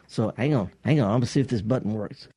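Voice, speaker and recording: Folksy, husky man hosting radio. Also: medium pitch, fast talker, warm tone, dry recording. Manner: folksy, rambling, chuckling. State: husky from pollen. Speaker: radio gardening show host. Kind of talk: casual radio call-in talk. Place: radio studio. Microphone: studio microphone.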